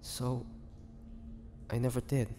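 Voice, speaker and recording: A man playing an ancient, gentle and wistful male vampire in an intimate audio roleplay, speaking haltingly with measured pauses. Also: medium pitch, flat delivery, a little hiss or hum, close to an everyday voice. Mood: earnest, pleading.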